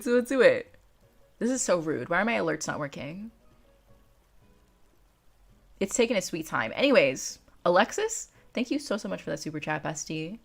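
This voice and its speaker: A young woman hosting a casual livestream, chatting in a bubbly, slangy way with excitable exclamations to her viewers. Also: lowish voice. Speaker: livestream host.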